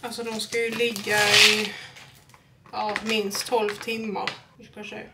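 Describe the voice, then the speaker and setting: A woman's voice: mid-range voice, level tone, heavy background noise. A young woman vlogging in casual chat about her shopping, talking freely and swearing when annoyed.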